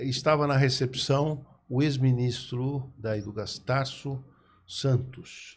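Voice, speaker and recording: Speaking at a very slow pace, a man with a medium pitch sounds somewhat breathy, his intonation fairly even. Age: 70s. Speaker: podcast host. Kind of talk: casual interview conversation.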